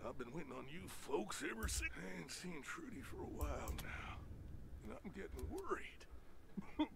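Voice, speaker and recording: An actor playing a folksy, excitable old prospector in a video game, with a rustic drawl and a gravelly, cackling voice. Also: male voice, fairly high pitch, heavily acted. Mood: excited, indignant. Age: older. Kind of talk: video game character dialogue. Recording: noisy game audio with ambience.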